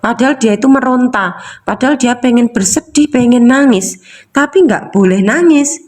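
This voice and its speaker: Woman coach, casual talk, fairly high voice, keeps asking rhetorical questions. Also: moderate pace, darkish tone. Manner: repetitive, asks rhetorical questions. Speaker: emotional release coach. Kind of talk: casual teaching talk to viewers.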